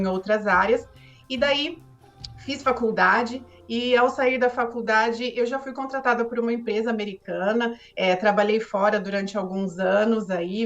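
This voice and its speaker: A woman who works as an educational consultant, talking earnestly in a relaxed podcast conversation and often tagging her sentences with filler words. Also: medium pitch, lo-fi sound. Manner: earnest, frequent filler tags.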